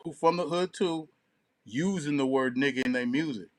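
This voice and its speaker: A man's voice: a little high, moderate pace. A man co-hosting an online show, chatting casually with heavy slang.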